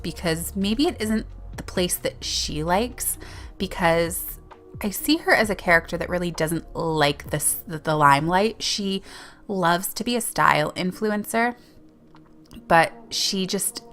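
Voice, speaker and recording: A woman's voice: lowish voice, fairly bright tone. Chatty, rambling woman doing a game voiceover. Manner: rambling, chatty, with frequent self-corrections and small laughs. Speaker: Sims YouTuber narrating a speed build. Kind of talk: casual voiceover commentary.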